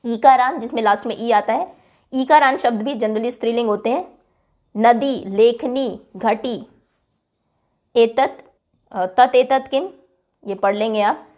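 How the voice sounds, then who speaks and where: A woman's voice: on the high side, measured pace, pauses often, a little mellow. A woman teacher giving a classroom lesson, patiently repeating each word and then explaining its meaning, with English words mixed into her talk.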